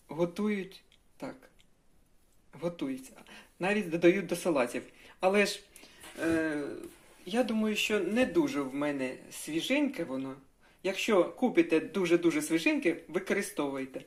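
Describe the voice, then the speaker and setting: Tasting and cooking in her home kitchen, a home cooking vlogger gives her viewers down-to-earth advice in a relaxed chat. She is an older woman whose voice is fairly low and darkish.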